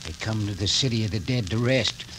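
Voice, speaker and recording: Actor doing a crusty old caretaker, drawly and ornery, old radio hiss. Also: male voice, fairly low pitch, a little fast, close to an everyday voice. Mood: gruff. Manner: drawling, ungrammatical, stubborn. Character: gruff old male cemetery caretaker, suspicious. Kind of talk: 1940s radio acting.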